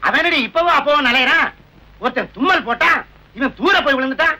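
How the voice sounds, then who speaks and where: A man trading quick jokes in old film comedy dialogue, sometimes breaking into mock chants. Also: very high-pitched, pushed and bright, low-quality recording. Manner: fast joking banter, mock chanting. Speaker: comic lover posing as fortune teller.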